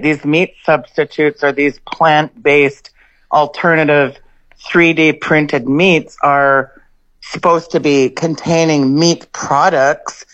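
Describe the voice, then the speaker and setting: A woman's voice: deep voice, rough recording. A woman co-hosting a radio talk show, speaking emphatically and warning listeners. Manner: emphatic, conspiratorial.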